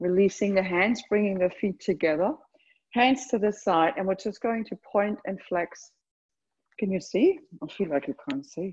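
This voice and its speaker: Against a quiet background, a woman talks at a moderate pace with lively intonation. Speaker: yoga teacher. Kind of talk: class instruction. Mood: warm, playful, laughing. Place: home room.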